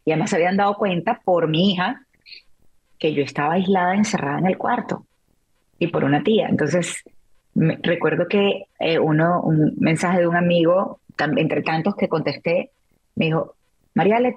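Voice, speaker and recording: A middle-aged woman, a journalist and author appearing as an interview guest, tells a personal story with candor and reflection, growing emotional and often restarting her sentences. Her voice is on the low side, darkish and husky, at a moderate pace, and the recording sounds lo-fi.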